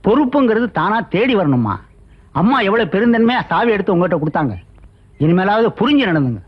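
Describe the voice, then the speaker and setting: A man's voice: high voice, big pitch swings, brisk. An actor playing a loyal, earnest male household servant in a film, speaking in a pleading way. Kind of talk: film dialogue. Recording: dull lo-fi film soundtrack with music behind.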